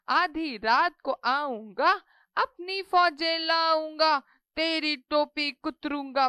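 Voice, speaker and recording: Woman putting on a squeaky bossy little boy mouse from a kids cartoon, bright voice, sing-song threats. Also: dry recording, clean studio sound, full character voice. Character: boastful little male mouse who bullies others.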